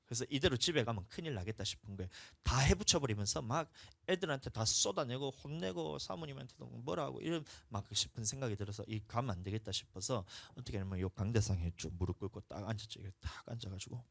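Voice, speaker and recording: A man with a Gyeongsang Korean accent preaching a sermon in a church, telling a testimony and swinging between hushed talk and loud shouts. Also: medium pitch, animated, quick pace, vocal fry, hardly any pauses, dry recording. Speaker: pastor. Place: church sanctuary.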